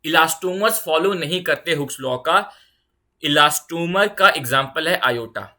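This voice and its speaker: Bright-voiced woman physics teacher. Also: low voice. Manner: repeats key phrases, mixes English terms into fast explanation; reassuring, checks in with "ठीक है". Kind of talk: online exam-prep lecture.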